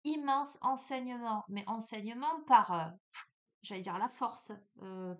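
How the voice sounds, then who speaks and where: A middle-aged woman hosting a spiritual guidance channel, telling a personal story in a chatty, animated way with many fillers, speaking straight to the listener. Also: a little high, a little slow.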